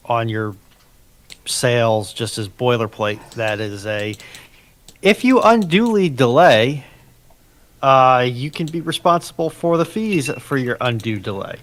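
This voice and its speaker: A man's voice: medium pitch, lively intonation, slow pace, fairly bright tone. A man in casual livestream chat as a co-host, wry and opinionated.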